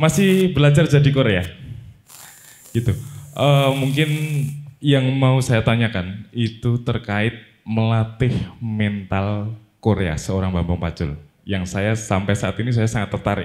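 Against a quiet background, the speaker goes fairly slowly with lively intonation and long, frequent pauses. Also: man. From Wonogiri, Central Java; Central Java, Indonesia. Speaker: audience member. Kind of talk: audience question. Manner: halting. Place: hall. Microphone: handheld.

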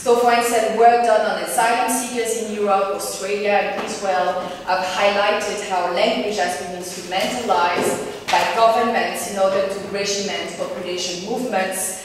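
A woman at a moderate pace with fairly even intonation, strong room echo and noticeable background noise. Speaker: conference presenter. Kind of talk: academic lecture. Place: classroom.

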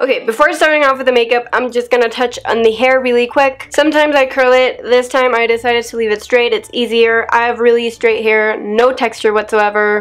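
The speech runs at a fairly quick pace with hardly any pauses. Its intonation is fairly even. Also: woman, high pitch for a woman. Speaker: beauty vlogger. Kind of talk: casual vlog chat. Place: home room.

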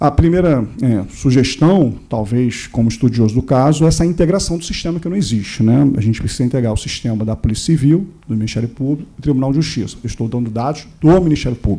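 Dark and mellow in tone, a man speaks at a very fast pace with hardly any pauses. His intonation is lively. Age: 40s. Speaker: public prosecutor. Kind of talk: expert presentation at legislative hearing. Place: meeting room. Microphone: podium.

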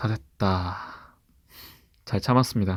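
Very slow and somewhat breathy, the voice has a gentle, soothing tone and ordinary pitch variation in a very clean recording with a silent background. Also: man. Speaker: voice actor / asmr creator. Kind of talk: asmr roleplay of a caring school nurse. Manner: gentle, soothing, coaxing, playfully teasing.

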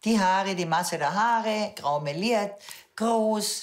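A woman's very slow speech against a quiet background. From Carinthia, Austria. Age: 50s. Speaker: retired hairdresser. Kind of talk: interview answer. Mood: cheerful, confident. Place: home room.

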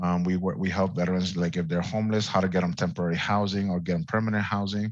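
Delivered at a very fast pace in an American accent, the voice has a dry sound with no echo. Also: man. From Los Angeles, California. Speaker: veterans program manager. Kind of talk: panel discussion remarks. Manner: casual, filler words. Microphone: headset.

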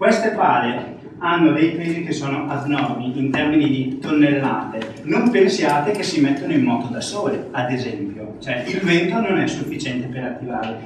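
The speech moves at a moderate pace. Strong room echo and noticeable background noise fill the recording. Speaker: local committee member. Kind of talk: public meeting talk. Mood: argumentative, persuasive. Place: classroom. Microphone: camera far.

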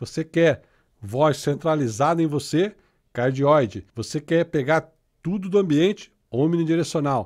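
Against a quiet background, a man talks at a fairly slow pace, his pitch fairly high, with ordinary pitch variation. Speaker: tech YouTuber. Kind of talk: tutorial. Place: home room. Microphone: studio mic.

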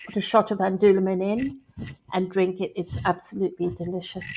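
Her voice is a plain, everyday voice, medium in pitch for a woman, with fairly even intonation. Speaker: whiskey distillery founder; guest. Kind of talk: casual chat. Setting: video call. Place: home room. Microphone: video call.

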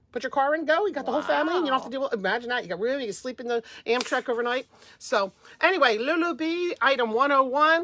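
With a New Jersey accent, a woman speaks very fast in a raised, projected voice at a high pitch, with lively intonation and an animated tone. The sound is dry with no echo, over light background noise. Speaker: boutique owner. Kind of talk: live sales stream chat. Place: shop.

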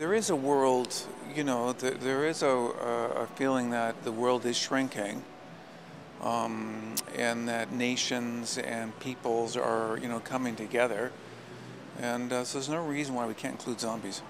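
Over noticeable background noise, a man talks with fairly even intonation. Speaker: interviewee. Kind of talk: interview answer. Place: street. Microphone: handheld.

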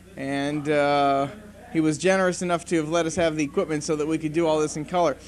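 Against noticeable background noise, a man talks with an American accent. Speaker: video collector emceeing convention footage. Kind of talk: casual banter for home video. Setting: hotel ballroom convention, on camera. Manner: animated, joking.

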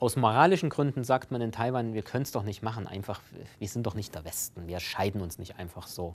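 The speaker is a man using lively intonation. He talks at a fairly quick pace. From Germany. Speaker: lawyer; lawyer giving a lecture. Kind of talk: expert interview explanation. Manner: hesitant with many fillers. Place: meeting room. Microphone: lapel.

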